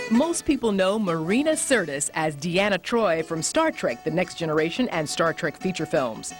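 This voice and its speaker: Lively woman narrating a TV segment. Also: on the low side. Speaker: TV host and narrator. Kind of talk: scripted narration. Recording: music bed under the voice.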